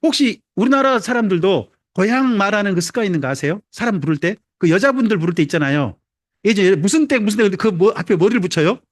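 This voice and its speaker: High, lively preacher man. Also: fast, dry recording, clean studio sound. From Jeolla, South Korea. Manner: conversational, asks the congregation questions, humorous. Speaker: pastor. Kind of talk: sermon.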